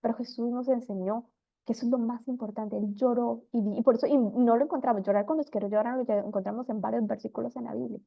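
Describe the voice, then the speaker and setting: A woman's voice: a little high, steady tone, quick pace, creaky, dry recording. A woman giving an earnest Bible teaching talk, retelling stories and acting out the people in them. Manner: earnest storytelling, acts out quoted figures. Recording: dull lo-fi dry sound.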